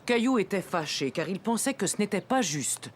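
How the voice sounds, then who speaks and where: A woman's voice: mid-range voice, animated, moderate pace, slight background noise, close to an everyday voice. A woman playing the storyteller of a children's cartoon, reading scripted narration. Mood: storytelling. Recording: music behind the voice.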